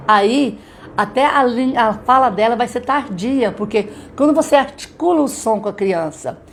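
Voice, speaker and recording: A woman's voice: a little high, a little hiss or hum. A middle-aged woman teaching literacy in a live stream, explaining and checking in often with her listeners. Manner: explanatory, frequent checking "tá?", demonstrates letter sounds.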